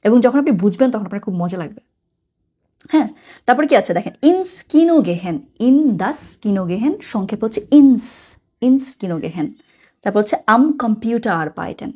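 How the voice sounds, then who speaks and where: A woman's voice: on the high side, expressive, normal speed, darkish tone, slightly rough. A woman teaching German from a textbook, chatty, explaining words step by step and correcting herself as she goes.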